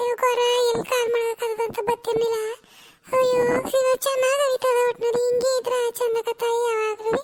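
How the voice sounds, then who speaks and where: A woman in a cartoonish character voice speaks at an extremely high pitch at a fairly slow pace, her intonation monotone and flat. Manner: chatty, exclaims often.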